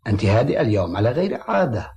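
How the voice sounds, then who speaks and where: A man's voice: lowish voice, sing-song, rapid-fire, vocal fry, warm tone, dull audio. A man voicing a polite, hesitant young village doctor in an Arabic cartoon dub, earnest and easily pressured. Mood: polite, concerned.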